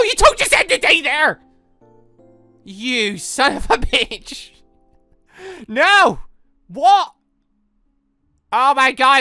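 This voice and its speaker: Bright, highly animated gaming commentator. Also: dry recording, clean studio sound. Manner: rambling, self-confessed ranter; exclamatory, theatrical reactions. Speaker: gaming video host. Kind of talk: excitable let's play commentary with read-aloud dialogue.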